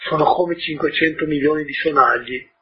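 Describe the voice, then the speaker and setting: A man with a husky voice retelling a story to an audience, often breaking off with informal asides and questions to his listeners. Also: a little high, brisk, dull audio.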